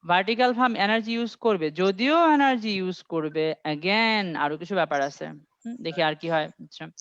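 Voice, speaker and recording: A man's voice: high-pitched, a bit bright, clean tone, dry recording. Man quizzing an online class. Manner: reads English sentences slowly, quizzes students step by step. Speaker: IELTS tutor. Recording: dry, dull lo-fi audio.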